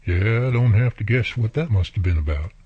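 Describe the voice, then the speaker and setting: A husky country handyman, played by a man in a radio drama, speaks with an American country accent and very lively swings of pitch. He is plainspoken, neighborly and colloquial, and the audio is slightly dull and dry. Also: brisk, dry recording. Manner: folksy, colloquial, drawling turns of phrase. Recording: muffled, lo-fi audio.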